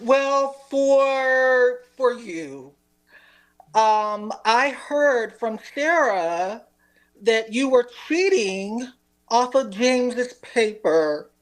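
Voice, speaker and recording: Woman playing a halting, high-voiced teacher. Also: expressive, low-quality recording. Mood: apologetic. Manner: halting, with long hesitations. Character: hesitant, apologetic teacher breaking bad news. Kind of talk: improvised comedy stage acting.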